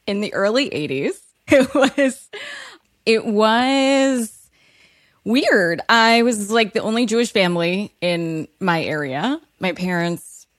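A woman in her thirties from California, a podcast guest who talks frankly and quickly, laughing often and saying "like" a lot. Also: mid-range voice, no room sound, studio quality. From California, USA. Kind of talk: candid interview talk.

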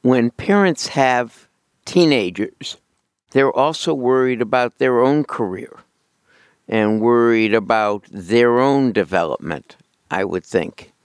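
A man's voice: medium pitch, slow, dry recording, studio quality. A man hosting an interview, plainspoken and self-deprecating, asking questions of his guest. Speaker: podcast host.

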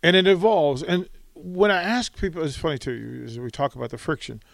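A man's voice: fairly high pitch, a little fast, creaky, no echo. A man hosting an interview, affirming and encouraging his guest. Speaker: podcast host. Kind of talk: interview conversation.

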